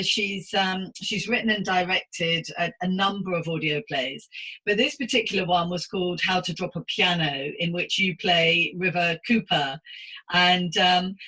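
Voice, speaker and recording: Bright-voiced woman podcast host. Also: on the low side, poor audio. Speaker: podcast host interviewing a guest. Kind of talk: conversational interview.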